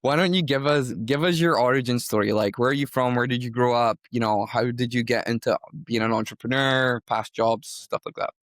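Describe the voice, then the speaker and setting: A man's voice: medium pitch, fairly quick, hardly any pauses, fairly bright tone, no room sound, studio quality. A man hosting a podcast interview, talking in an upbeat, enthusiastic, chatty way. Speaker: podcast host.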